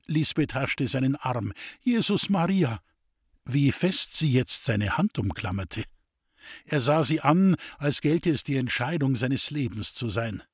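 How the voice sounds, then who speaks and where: A man narrating a classic novel in a steady storytelling voice. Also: mid-range voice, measured pace, slightly rough, no echo, clean studio sound. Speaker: audiobook narrator.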